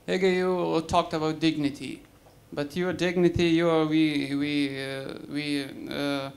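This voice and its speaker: A man from Afghanistan in the audience, making a halting, accusing comment at a public debate with many fillers. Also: a little high, level tone, creaky. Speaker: audience member.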